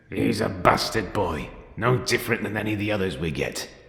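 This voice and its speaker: Using a put-on character voice, a man growls at a fairly low pitch with lively intonation. He speaks at a fairly quick pace, with slight echo. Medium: audio drama. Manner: curt, scornful.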